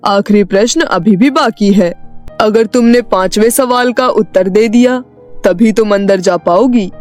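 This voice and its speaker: Enchanted house gatekeeper, voiced by a woman: mid-pitched, measured, commanding, cartoon storybook delivery, music behind. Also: darkish tone, natural voice. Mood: stern. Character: magical talking cake house, stern riddling gatekeeper. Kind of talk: animated Hindi moral story acting.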